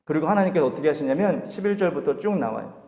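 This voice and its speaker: A man preaching a sermon to a youth service, lively and acting out voices in dialogue. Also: on the high side, quick pace. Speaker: youth pastor. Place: church sanctuary. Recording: echoey hall, dull lo-fi sound.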